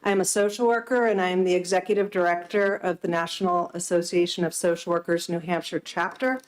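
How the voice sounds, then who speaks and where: A woman social worker giving formal, earnest testimony to a legislative committee, speaking in a measured way in a hearing room. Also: lowish voice, steady tone.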